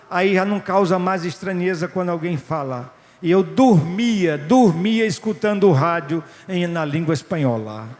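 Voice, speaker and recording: A man's voice: sits high, fairly bright tone. A male pastor, telling a missionary testimony in a sermon with restarts and rising exclamations. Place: large church hall. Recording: long church-hall reverb.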